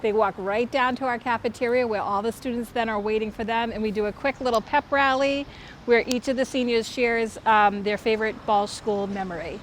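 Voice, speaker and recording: A woman's voice: on the high side, fairly even intonation, fairly quick, slight background noise, low-quality recording. A woman, an elementary school principal, eagerly explaining a school tradition in an interview. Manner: enthusiastic, explaining step by step.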